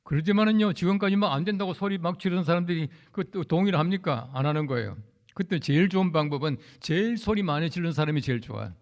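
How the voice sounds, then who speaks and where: Fast, animated and fairly high-pitched, a male preacher addresses his congregation directly in a chatty sermon. He tells anecdotes, voicing the quoted lines as though acting them out.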